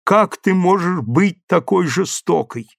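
A man's voice: sits high, lively intonation, unhurried, creaky, dry recording, clean studio sound, voice pushed up, exaggerated voice. A man voicing a desperate, tearful husband who pleads with his wife in a rising, imploring voice. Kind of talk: audiobook character reading.

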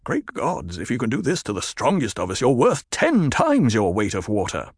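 A man voicing a gruff, blustering desert tribal leader who bellows insults. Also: mid-range voice, wildly swooping pitch, normal speed, dry recording, full character voice. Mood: astonished.

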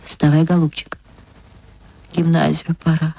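Woman doing kind middle-aged woman, soft-hearted, doting and emotional, radio play. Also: sits low, little pitch movement, unhurried, gravelly, full character voice. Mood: tender.

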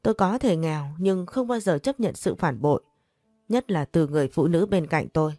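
A woman's voice: on the low side, animated, moderate pace, dark tone, dry recording, faint music behind. A woman narrator voicing a stern older man, the betrayed head of the household, who speaks in a harsh, accusing way. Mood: bitter. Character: stern aging male patriarch, betrayed and cold.

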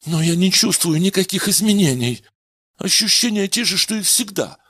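A frightened man in a storybook, pleading and protesting in a voice pushed well above normal, as a male narrator puts him on. His tone is husky and swings widely, close and dry on the mic. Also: high voice, expressive, moderate pace, fairly bright tone, no room sound, voice pushed up, full character voice. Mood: worried. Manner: anxious, insistent, rising to cries.

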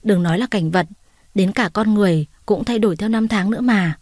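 A woman's voice: mid-range voice, brisk, a little mellow, no room sound, clean studio sound, close to an everyday voice. Woman voicing a tearful young daughter returning home. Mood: wistful. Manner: emotional, pleading.

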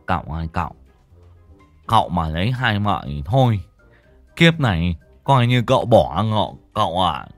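A man's voice: low-pitched, sing-song, normal speed, dry recording, soft background music. A man doing a shaken bald old man. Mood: grim.

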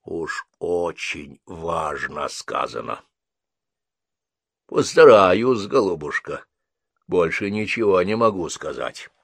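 A man voicing a shrewd, bedridden old woman in an audiobook, speaking in a folksy, wry, drawn-out way. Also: low-pitched, expressive, creaky, breathy edge, no echo, heavily acted. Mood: slow and sly. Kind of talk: audiobook character voice.

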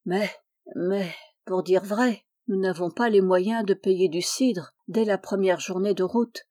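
A woman's voice: mid-range voice, unhurried, darkish tone, lightly acted. A woman reading aloud and voicing a polite, earnest, kind peasant boy.

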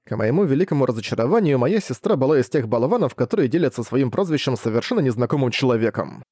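A man narrating a novel with a mellow, warm tone and a measured, even delivery. He sounds close and dry, with no room around him. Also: medium pitch, husky, no room sound. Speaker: audiobook narrator. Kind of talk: reading a novel aloud.

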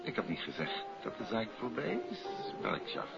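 An actor playing a suave, courteous detective and teasing husband in a 1950s Dutch radio play. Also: male voice, on the low side, wildly swooping pitch, normal speed, creaky, exaggerated voice. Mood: probing, measured. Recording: dull old radio recording, music behind.

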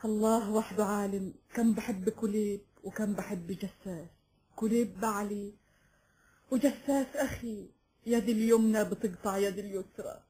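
A woman's voice: medium pitch, fairly even intonation, normal speed, warm tone, a little hiss or hum, lightly acted, low-quality recording. An actress playing an anguished noble Arab lady in a dramatic folk epic. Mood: sorrowful. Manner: dramatic, questioning. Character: noble Arab lady of legend, anguished loving sister and wife.

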